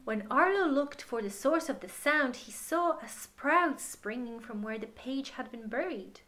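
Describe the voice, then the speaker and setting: A woman storyteller narrating a children's storybook expressively and deliberately, letting phrase endings drop to a hush and speaking directly to young listeners. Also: sits high, animated.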